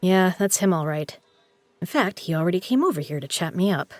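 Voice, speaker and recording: A woman's voice: lowish voice, expressive, fairly quick, no room sound, lightly acted. Woman acting a tough, wry gambler, dry close sound. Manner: dry, sardonic, blunt. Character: tough, wry female poker legend, blunt and guarded. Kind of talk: audio drama acting.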